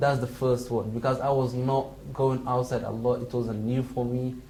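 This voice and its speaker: Monotone, flat intonation at a fairly quick pace, with audible room echo and noticeable background noise. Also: man. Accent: Somali. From Somalia. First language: Somali. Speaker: international student. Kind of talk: interview. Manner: hesitant.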